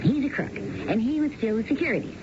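An American actress playing a shrewd, skeptical con artist's accomplice in a radio drama, sardonic and challenging. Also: female voice, on the high side, big pitch swings, brisk. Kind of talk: 1970s radio drama acting. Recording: dull, noisy old radio recording.

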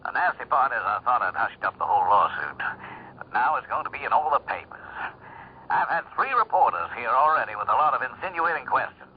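Actor as hesitant phone caller, animated pitch. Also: male voice, a little fast, close to an everyday voice. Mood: worried. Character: hesitant, worried male associate phoning with bad news. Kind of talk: radio drama acting. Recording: muffled, noisy old radio phone call.

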